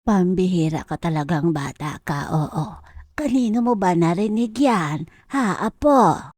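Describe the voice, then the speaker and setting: A woman's voice: on the low side, lively intonation, a little slow, a little mellow, dry recording, clean studio sound. A woman voicing an exasperated old grandmother who scolds her family.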